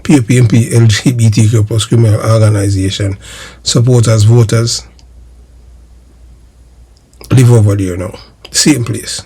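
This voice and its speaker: A man's voice: lowish voice, fairly even intonation, unhurried, long pauses, mellow, breathy edge. A Jamaican man delivering emphatic political commentary to his viewers in a declamatory way, repeating phrases for emphasis. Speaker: host of a political history video channel.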